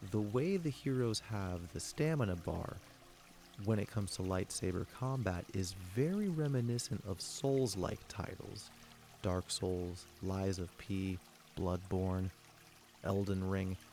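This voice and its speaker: At a fairly slow pace, a man talks in a fairly low voice with a calm, relaxed tone and ordinary pitch variation. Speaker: gaming YouTuber. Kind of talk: sleep-aid commentary over gameplay.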